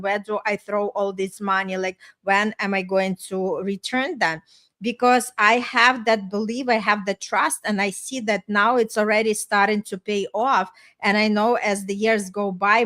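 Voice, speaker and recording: A middle-aged woman with an Eastern European accent speaks at an average pitch. She is a podcast host who talks in a chatty, effusive way, sharing personal stories in casual conversation. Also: fairly bright tone. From small town in Ukraine, former Soviet Union. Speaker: podcast host and life coach.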